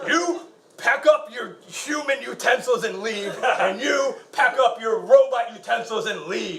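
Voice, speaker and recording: Using a put-on character voice, a man pitches himself extremely high. His delivery is fairly slow. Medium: stage play. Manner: gloating, pompous.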